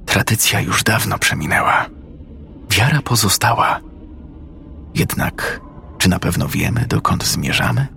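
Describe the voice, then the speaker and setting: A man voicing a hoarse, low-voiced old village healer woman who speaks in riddles and shrieks at a demon. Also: animated, a little slow, long pauses, sharp tone, exaggerated voice. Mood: cryptic. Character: hoarse old female village witch-healer, cryptic and fierce.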